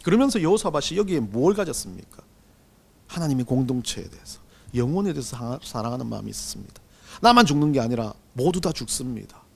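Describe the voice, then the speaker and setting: A middle-aged man preaching a Sunday sermon as pastor, swinging between loud and hushed delivery. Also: medium pitch, big pitch swings, fast talker, vocal fry, slightly rough. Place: church sanctuary.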